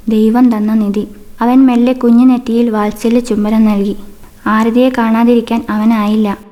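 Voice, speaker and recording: High-voiced woman reading a story. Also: warm tone. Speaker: radio story reader. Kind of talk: scripted literary short-story narration.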